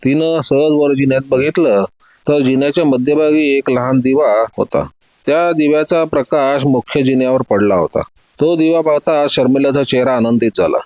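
A man narrating a detective story in a steady, dramatic reading. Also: medium pitch, normal speed, dry recording, lo-fi sound.

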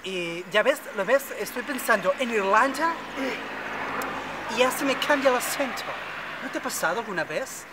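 A woman voices Estela, a vain, spoiled rich girl who's daddy's darling, chattering boastfully and bubbly without pause and dropping in bits of a fake foreign accent. Her fairly high voice is expressive and lightly acted at normal speed, with background music and noise.

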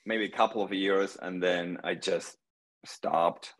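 A middle-aged man from Argentina, a guest player chatting relaxed on a video call from home, with many pauses. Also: sits low, rough recording. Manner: relaxed storytelling, many pauses and "um", gestures with hands. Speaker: guest, senior pro pickleball player. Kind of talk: casual video call interview. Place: small room indoors at home. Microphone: laptop webcam on video call.

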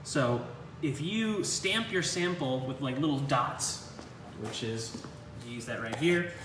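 A man's voice: medium pitch, animated, slow, recorded from a distance, noisy background. A man giving an informal walking tour of a university materials lab, talking in a rambling way with many fillers and dry self-deprecating asides. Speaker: university engineering instructor. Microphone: handheld phone camera while walking. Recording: very echoey room, voice off-mic.

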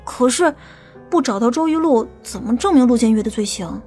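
A woman's voice: a little high, animated, brisk, warm tone, soft background music, natural voice. A woman playing a stern, impatient police detective in an audiobook drama. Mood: heated.

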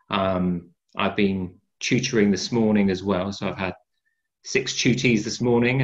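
Middle-aged man on a lo-fi video call. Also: lowish voice. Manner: relaxed, with frequent fillers. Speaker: artist and teacher. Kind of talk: casual video call introduction. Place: room at home with a large colourful wall hanging. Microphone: laptop webcam on video call. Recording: dull lo-fi video call audio.

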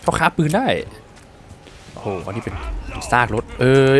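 A man doing casual let's-play commentary, excitable and exclaiming at the action. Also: normal speed, background noise. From Thailand. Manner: excitable, exclaims and swears at the game. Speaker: gaming streamer.

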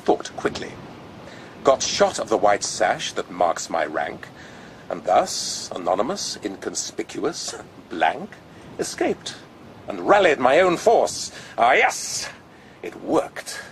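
An actor playing a haughty, spiteful aristocratic commander in a radio drama, with a pompous, sardonic drawl. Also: male voice, lowish voice, big pitch swings, takes it slowly, vocal fry, slight background noise, exaggerated voice, poor audio. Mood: boastful.

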